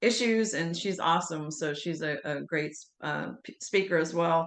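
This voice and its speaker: A woman with a plain, everyday voice talks at a moderate pace. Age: 60s. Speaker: naturopathic doctor. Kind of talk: interview. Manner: casual, with many fillers.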